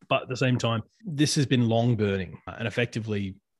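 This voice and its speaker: The recording is very clean, with a silent background. A man with an Australian accent talks very fast at medium pitch, with fairly even intonation. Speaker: journalist and geopolitical analyst. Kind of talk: analysis discussion in an interview.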